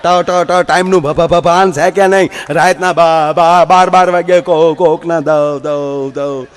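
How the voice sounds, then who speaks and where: A man's voice: fairly high pitch, steady tone, measured pace, clear, resonant tone, close to an everyday voice. A man doing a stuttering, scolding doctor. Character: grumpy stuttering male doctor woken at midnight.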